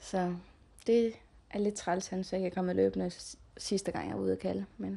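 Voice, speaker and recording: The speech keeps a moderate pace, with long, frequent pauses. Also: woman. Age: 20s. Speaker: resident looking for lost cat. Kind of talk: interview.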